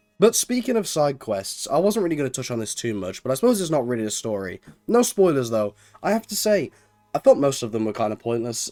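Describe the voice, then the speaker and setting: Very fast speech with ordinary pitch variation, dry and close with no echo, over music in the background. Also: man. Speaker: gaming YouTuber. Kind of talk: game review talk to camera.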